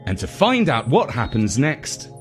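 A man reading a children's story in an expressive, deliberate, theatrical narrating style. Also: medium pitch, soft background music. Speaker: story reader.

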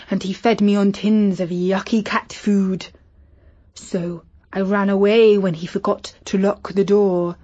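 Woman reading talking black cat, large and sleek, gentle, polite, slow, storybook, muffled recording. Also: medium pitch.

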